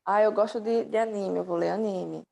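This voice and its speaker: A woman's voice: medium pitch, fairly even intonation, moderate pace, gravelly, warm tone. A woman teaching an online class through her laptop microphone, patiently explaining step by step and affectionately calling her students dear.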